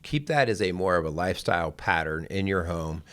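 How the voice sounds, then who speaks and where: A man's voice: sits low, animated, a little fast, fairly bright tone, no echo. A middle-aged man hosting a radio talk show in a conversational, earnest and encouraging manner.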